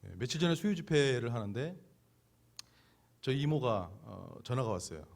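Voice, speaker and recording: A middle-aged man, a pastor, preaching a sermon, swinging from loud exhortation to hushed, intimate storytelling. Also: medium pitch, very animated, normal speed, gravelly.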